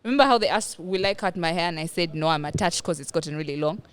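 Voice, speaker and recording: A woman's voice: fairly low pitch, quick pace, clean tone. A woman with a Ugandan accent co-hosting a podcast in casual, bantering conversation. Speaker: podcast co-host.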